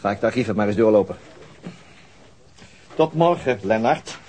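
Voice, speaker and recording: An actor playing a steady senior police detective in a radio drama, dry, businesslike and commanding. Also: male voice, lowish voice, moderate pace, a little hiss or hum, lightly acted. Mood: firm, commanding.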